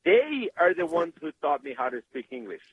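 A man from Brazil with a Brazilian Portuguese accent, a guest in an interview, talking eagerly with many halting restarts. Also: a little high, big pitch swings, slight background noise. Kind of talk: interview over phone. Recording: tinny phone line.

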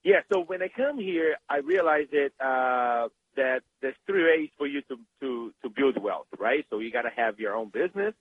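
A man from Brazil with a Brazilian Portuguese accent, a guest in an interview, talking eagerly with many halting restarts. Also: mid-range voice, animated, slight background noise. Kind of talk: interview over phone. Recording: tinny phone line.

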